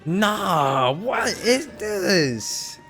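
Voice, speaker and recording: A young man streaming a video game, commenting in a loud, sarcastic way and swearing. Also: high-pitched, sing-song, extremely slow, soft background music.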